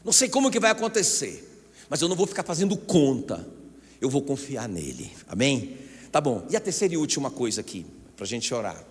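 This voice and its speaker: Lively Brazilian preacher in a reverberant church. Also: male voice, mid-range voice, a little fast, slightly rough. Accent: Brazilian Portuguese. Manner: animated preaching with frequent calls to the congregation. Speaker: pastor. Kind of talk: sermon. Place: church hall. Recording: long church hall reverb.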